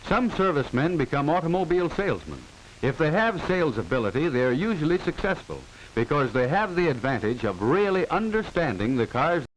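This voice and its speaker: A man's voice: on the high side, a little fast, poor audio. An American man reading scripted 1940s educational film narration in a formal, instructive manner, on an old film soundtrack. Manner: formal, instructive, clearly enunciated. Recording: hissy 1940 film soundtrack. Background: steady hiss.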